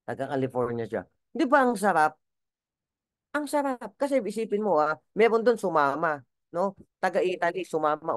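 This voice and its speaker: A man's voice: high-pitched, dry recording, studio quality. A man leading a motivational business training, coaching his team and often checking for their agreement. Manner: coaching, repeatedly asks the audience for agreement.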